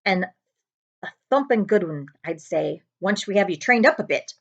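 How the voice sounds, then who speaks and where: A woman voicing a huge, gruff, hot-tempered wizard man from a storybook, blunt and emphatic, with drawn-out words. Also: mid-range voice, animated, muffled recording. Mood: proud.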